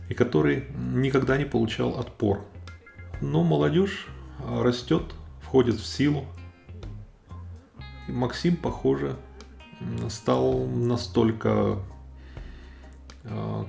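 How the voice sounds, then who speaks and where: Man, relaxed storyteller, creaky low-key voice, thoughtful halting phrasing, roomy echo. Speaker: narrator of a nature vlog. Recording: roomy echo, guitar music behind.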